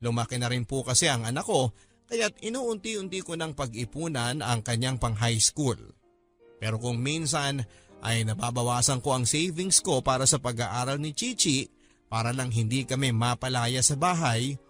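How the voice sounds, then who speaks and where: A man reads a personal story in the style of a radio host. His mid-pitched voice is earnest and expressive, delivered in measured phrases over soft music. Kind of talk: dramatic first-person story narration. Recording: music bed behind narration.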